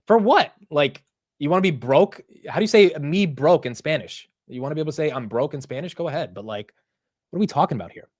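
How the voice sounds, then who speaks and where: A young American man hosts a casual market livestream, animatedly ranting with profanity and poking fun at himself. His voice is a little high and his pace quick, recorded in studio quality with no echo.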